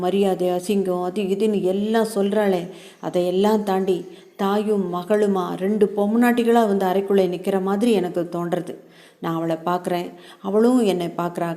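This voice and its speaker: Calm, mellow-voiced woman storyteller. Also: mid-range voice. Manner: calm, steady narration. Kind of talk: reading a story aloud in the first person.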